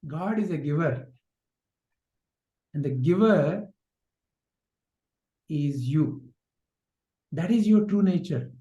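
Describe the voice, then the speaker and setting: A man's voice: a little high, expressive, takes it slowly, long pauses, warm tone, muffled recording. A man giving a spiritual discourse, asking rhetorical questions and repeating phrases for emphasis. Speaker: spiritual teacher. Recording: echoey room sound.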